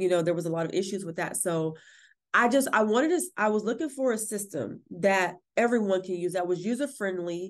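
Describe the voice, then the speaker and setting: A woman with a normal speaking voice and an American accent, fairly quick pace, ordinary pitch variation, quiet background. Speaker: library director. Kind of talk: casual interview.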